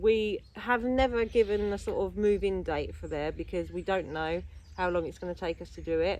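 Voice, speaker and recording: Speaking at a moderate pace, a woman with a strong Kentish accent swings widely in loudness. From England, Kent. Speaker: vlogger. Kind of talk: casual Q&A vlog. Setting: outdoors with horses. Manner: casual, halting with fillers.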